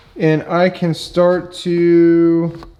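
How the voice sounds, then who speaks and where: A man speaks at a high pitch. Background noise is noticeable. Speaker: car enthusiast YouTuber. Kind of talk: DIY car repair tutorial. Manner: casual, hesitant with fillers.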